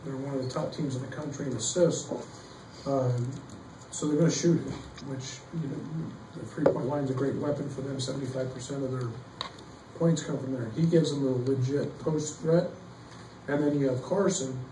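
A middle-aged man, a basketball coach, answering questions at a postgame press conference, halting with many fillers and restarts. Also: mid-range voice, steady tone. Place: press room behind a table. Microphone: table mic, heard from some distance. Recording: echoey room, distant mic, faint noise.

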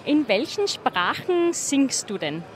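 At an outdoor street festival, a woman in her thirties hosts an interview, holding a mic in her hand. Her voice is high, with big swings in pitch, and she takes her time. Street noise can be heard behind her.

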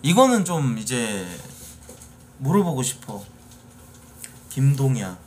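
A man ranting at his chat during a live stream, swearing and building into angry shouts. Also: mid-range voice, very animated, slow, slight background noise. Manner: angry, profane, rising to shouting. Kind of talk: casual live-stream rant.

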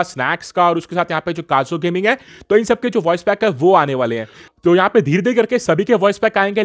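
An Indian man presents gaming news as a YouTuber in a casual voice-over. His voice sits high for a man, and he talks at a fast clip.

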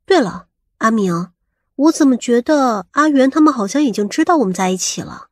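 A woman playing a sharp-tongued, coquettish lover in an audiobook, pouting and reproachful. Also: on the high side, lively intonation, normal speed, dry recording, studio quality.

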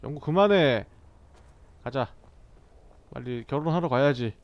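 A man's voice: mid-range voice, lively intonation, measured pace. A man giving casual let's-play commentary as a gaming streamer, joking and bantering with the characters on screen, recorded on a dull lo-fi mic.

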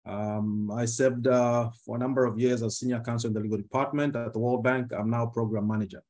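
A man from Zambia in his fifties, a law professor giving a formal, measured presentation on a video call, with frequent fillers. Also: mid-range voice, steady tone, darkish tone. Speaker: guest speaker, law professor. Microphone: computer mic on a video call.

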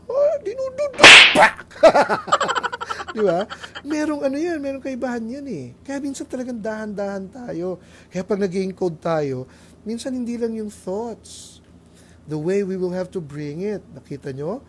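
A man's voice: sits high, moderate pace, mellow, a little hiss or hum. A middle-aged man with a Filipino accent gives a Catholic talk on family life, telling stories and acting out voices as he mixes in English phrases. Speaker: lay preacher.

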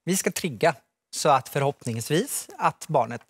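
A man in his thirties, a nurse guest on a morning TV show, explaining in a relaxed way with many fillers, recorded on a lapel mic in a studio. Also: fairly high pitch, slightly rough, no echo. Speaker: pediatric specialist nurse guest.

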